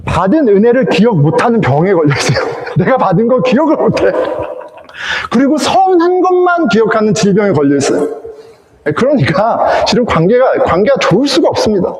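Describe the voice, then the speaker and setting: Male pastor for an animated sermon; high, swooping delivery in a reverberant sanctuary. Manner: animated storytelling, acting out quoted characters. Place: church sanctuary. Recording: echoey church hall.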